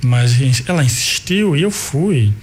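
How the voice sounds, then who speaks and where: A man in his forties with an Angolan Portuguese accent whose first language is Kikongo. He is a guest recalling his life in an unhurried, searching way, often restarting and repeating words. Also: medium pitch, lively intonation, slight background noise. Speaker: guest, artist and cultural manager. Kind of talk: reflective life-story telling.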